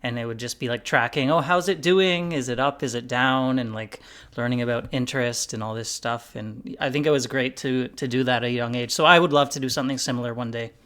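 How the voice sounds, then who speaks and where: A man hosting a casual podcast conversation about investing, relaxed and rambling, with many "like"s and "you know"s. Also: medium pitch, fairly quick. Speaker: investing YouTuber host.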